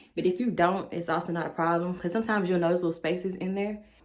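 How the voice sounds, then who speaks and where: A woman with an American accent, very fast pace, fairly even intonation. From Arkansas, USA. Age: 20s. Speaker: beauty tutorial creator. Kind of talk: casual beauty tutorial to camera. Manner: casual, chatty. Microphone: phone near.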